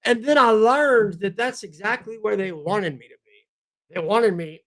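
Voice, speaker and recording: A man hosting a political commentary livestream, blunt and combative, talking straight to his chat with a voice going hoarse. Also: high voice, unhurried, a bit bright. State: losing his voice, clears throat. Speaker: livestream host.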